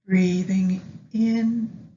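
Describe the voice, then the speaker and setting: A woman leading a guided meditation with astrology, speaking gently and in measured short phrases with long pauses. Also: mid-range voice, fairly even intonation. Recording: dull lo-fi sound, faint background noise.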